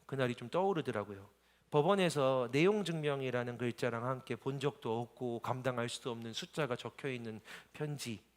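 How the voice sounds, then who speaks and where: A man in his thirties, a pastor preaching a sermon in a church hall, moving from quiet storytelling into impassioned pleading cries. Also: medium pitch.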